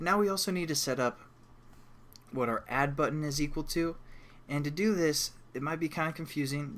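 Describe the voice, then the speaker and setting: A man at a fairly quick pace. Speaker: programming tutorial instructor. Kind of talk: tutorial. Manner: fast; casual.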